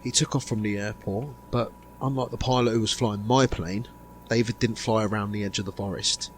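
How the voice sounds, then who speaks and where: A man's voice: on the low side, steady tone, brisk, natural voice. Man acting grave conspiracy insider, noisy recording. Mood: grave, bewildered. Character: grave male insider revealing a sinister conspiracy. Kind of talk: amateur audio drama dialogue.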